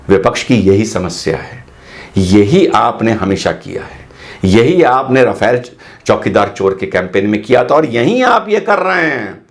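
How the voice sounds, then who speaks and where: Man, heated political commentary, high voice, lively swinging pitch, rhetorical questions. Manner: combative, rhetorical questions, rapid-fire lists.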